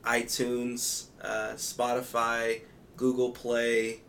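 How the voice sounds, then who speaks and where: A man's voice: mid-range voice, monotone, very slow, gravelly, fairly bright tone, a little hiss or hum. A young man chatting casually as a podcast guest, rambling with fillers and laughing often.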